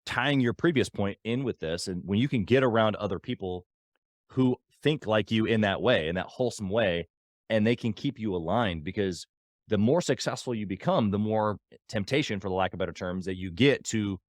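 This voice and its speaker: A man's voice: on the low side, normal speed, no room sound, studio quality. A man hosting a podcast interview, speaking in an enthusiastic, affirming, motivational way. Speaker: podcast host.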